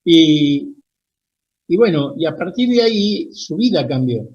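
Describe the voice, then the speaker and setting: A man's voice: a little high, lively intonation, measured pace, darkish tone. Rioplatense man telling stories, lo-fi sound. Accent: Rioplatense Spanish. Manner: anecdotal, quotes people as he tells the story. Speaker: guest engineer. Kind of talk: casual interview storytelling.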